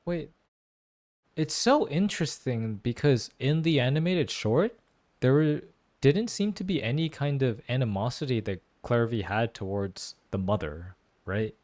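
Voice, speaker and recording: A man's voice: medium pitch, measured pace. A man giving exclamatory reaction commentary on a game story, musing aloud as a gaming content creator. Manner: animated, exclamatory, muses aloud.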